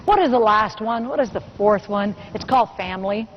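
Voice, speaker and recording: A woman's voice: medium pitch, fairly quick, dull audio, slight background noise. A woman giving a motivational keynote speech, telling earnest personal stories and asking the audience rhetorical questions. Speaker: motivational speaker.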